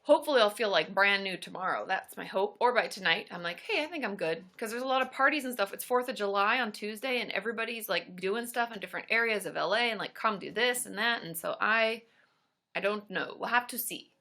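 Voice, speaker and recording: A woman's voice: medium pitch, quick pace, pushed and bright. A woman hosting a casual livestream, stuffed up and tired from a cold, chatting and greeting viewers by name. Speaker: therapist and livestream host.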